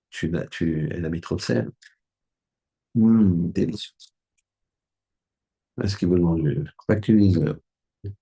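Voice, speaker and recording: A man's voice: deep voice, creaky, mellow, slightly rough. A man, a rabbi, giving a Torah lesson in a conversational way, often checking that his listeners agree.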